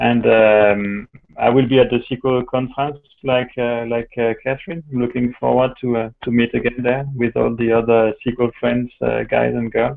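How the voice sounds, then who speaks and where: This man speaks with a French accent at a medium pitch and a fairly slow pace. His intonation is monotone and flat, with a quiet background behind him. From France. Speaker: BI consultant. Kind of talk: video call panel discussion. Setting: video call. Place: home room.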